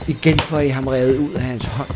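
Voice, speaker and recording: A man running a tabletop horror game as game master, describing scenes in a measured, suspenseful way. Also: mid-range voice, flat delivery. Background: background music.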